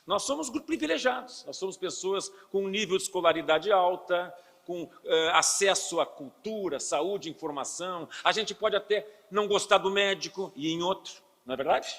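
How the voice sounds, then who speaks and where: A man's voice: high-pitched, moderate pace, a bit bright. A man in his sixties from Brazil with a Southern Brazilian accent, giving an earnest public health lecture as a physician and explaining with rhetorical questions. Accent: Southern Brazilian Portuguese. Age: 60s. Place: lecture hall. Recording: hall reverb.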